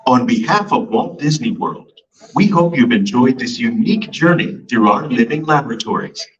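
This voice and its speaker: A man giving polished, upbeat scripted ride narration, played as a recording over an outdoor boat-ride loudspeaker. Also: medium pitch, animated, normal speed. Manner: polished, upbeat announcer delivery. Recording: muffled, distant loudspeaker heard from a boat.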